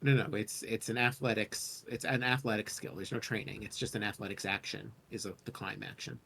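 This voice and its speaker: A man's voice: fairly even intonation, a little fast, vocal fry, sharp tone. A man playing a tabletop game, chatting casually with a wry, grumbling manner. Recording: noticeable low rumbling background noise.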